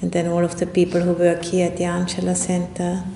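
A woman giving a guided meditation talk as a meditation teacher, speaking in an unhurried, reflective way with long pauses. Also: completely flat delivery, gravelly, mellow. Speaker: Buddhist nun and meditation teacher. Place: indoor room at a retreat center. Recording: roomy echo, faint rumbling background noise.

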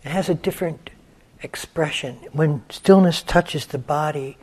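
A man in his seventies leading a guided meditation, gentle and unhurried, with long pauses between phrases. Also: fairly high pitch, slightly rough. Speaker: meditation teacher.

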